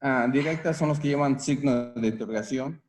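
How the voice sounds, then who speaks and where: A man's voice: mid-range voice, brisk. A man answering a teacher's questions in class, thinking aloud as he explains his answers. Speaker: student.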